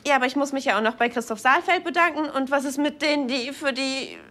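Nervous young woman, high voice, earnest, fretful, natural conversational TV drama delivery. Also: quick pace, pushed and bright, slight background noise.

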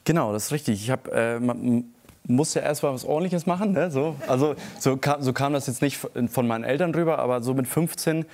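A young man from Föhr, a singer and guest on a talk show, talking in a relaxed, chatty way with many fillers. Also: mid-range voice, fairly quick. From Germany, Föhr. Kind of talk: casual talk show chat.

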